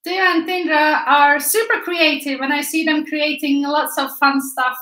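A woman's voice: sits high, steady tone, unhurried, sharp tone. A woman in her thirties with a Swedish accent, chatting to viewers as she leads a live paint-along lesson. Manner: chatty, encouraging, talks to viewers while painting. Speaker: art teacher. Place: small indoor room by an easel. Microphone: camera a few feet away, turns away at times. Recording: echoey room.

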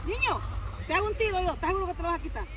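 A woman's voice: very high-pitched, animated, very fast. A middle-aged woman, chatting and teasing on a football field outdoors. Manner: chatty, teasing, laughing at herself. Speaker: vlogger. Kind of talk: casual chat. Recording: outdoor noise on a phone.

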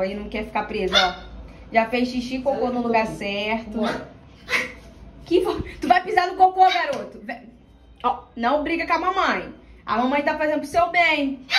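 A woman's voice: high-pitched, a bit bright, a little hiss or hum. A young Brazilian woman with a Rio de Janeiro accent, vlogging at home on a phone and talking baby-talk to her dogs while laughing often. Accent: Rio de Janeiro Brazilian Portuguese. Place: home, indoors.

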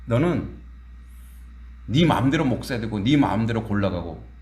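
Lively preaching man in an echoey church. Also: fairly low pitch, moderate pace. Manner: lively, conversational preaching with acted quotes and laughs. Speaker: pastor. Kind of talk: sermon. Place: church sanctuary.

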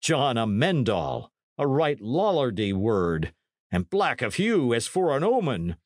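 A man's voice: mid-range voice, big pitch swings, measured pace, darkish tone, no room sound, clean studio sound, pitched above the performer's own voice. A man voicing a portly middle-aged priest in an audiobook, fretful and scholarly, with pompous, exclamatory archaic speech. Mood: alarmed, questioning.

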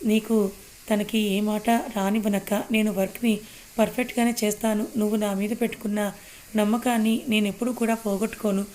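A woman's voice: mid-range voice, level tone, brisk, mellow, lightly acted, low-quality recording. A woman voicing a loyal young man who talks in an earnest, eager way, in a read-aloud story.

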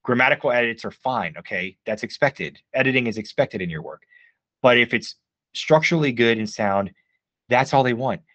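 A man's voice: medium pitch, lively intonation, normal speed, a bit bright, no echo. A man who is a guest, giving advice in casual live-stream chat, emphatic and filled with "like.". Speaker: guest, game writer.

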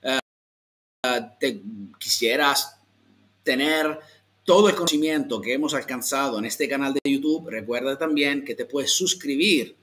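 A man's voice: medium pitch, a bit bright. Italian man teaching a language lesson. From Italy. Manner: slow, exaggerated model pronunciations for repeating.

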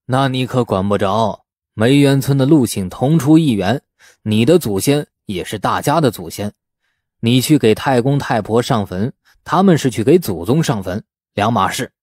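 A man's voice: mid-range voice, expressive, moderate pace, a little mellow, no room sound, studio quality, lightly acted. Man doing a stubborn old village uncle. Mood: insistent.

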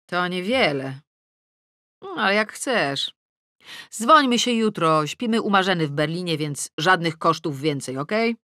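A woman narrator voicing a brisk, insistent woman friend in an audiobook, impatient and businesslike. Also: fairly low pitch, animated, sharp tone, no echo, clean studio sound.

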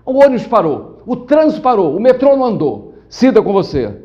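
A man's voice: very high-pitched, sing-song, brisk, muffled recording, music in the background. A man with a Carioca accent hosting a local TV show, chatty and exclamatory, addressing viewers directly. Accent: Carioca Portuguese. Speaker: TV show host. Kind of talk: lively TV show opening.

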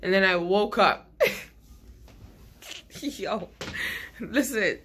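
A woman's voice: mid-range voice, expressive, very slow, fairly bright tone, a little hiss or hum. A woman in her thirties vlogging casually to camera in a small bedroom, rambling and chatty, with a stuffy head cold. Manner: chatty, rambling, laughs often. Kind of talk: casual vlog chat to camera.

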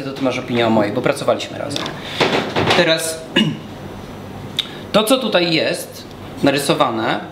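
A man's voice: on the high side, a bit bright. Man explaining at a whiteboard, echoey room. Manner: explains step by step while drawing, many restarts. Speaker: guest speaker. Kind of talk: talk at a whiteboard. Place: small room with brick walls. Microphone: far camera. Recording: echoey room from far off, noisy.

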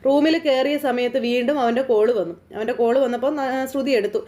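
A woman retelling a TV serial episode in a quick, chatty style. Her voice is fairly high and she rattles through the plot at speed. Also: mellow. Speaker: serial recap narrator. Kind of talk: casual story recap.

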